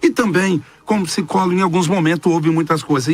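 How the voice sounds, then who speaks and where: This is a man speaking. His pitch is high. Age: 60s. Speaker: pastor and psychologist. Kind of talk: panel discussion.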